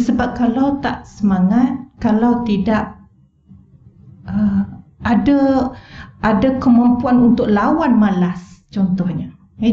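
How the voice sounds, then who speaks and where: A woman's voice: on the high side, mellow. Malaysian woman lecturing in a roomy mosque hall. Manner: earnest, rhetorical questions to the audience. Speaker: religious lecturer. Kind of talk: religious lecture. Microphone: wireless mic. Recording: roomy, dull-toned hall recording.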